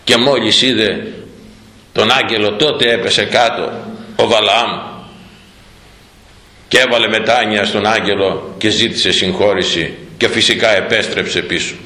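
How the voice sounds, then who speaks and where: A man's voice: on the low side, steady tone, long pauses, bright, forceful tone, echoey room, low-quality recording. A man preaching a sermon, telling the story with animation and speaking directly to his congregation.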